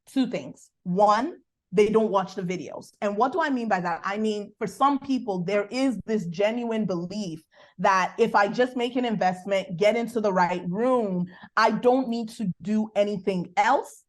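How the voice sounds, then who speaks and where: Brief: Nigerian-accented woman, business coach guest, animated sermon-like delivery. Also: medium pitch. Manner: animated, preacherly, bursts of quick speech. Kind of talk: faith-based coaching conversation.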